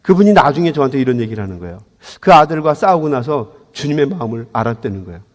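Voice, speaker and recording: A man's voice: mid-range voice, big pitch swings, fast talker. A male pastor preaching a sermon, telling a story with joking asides. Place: church sanctuary. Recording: long church hall reverb.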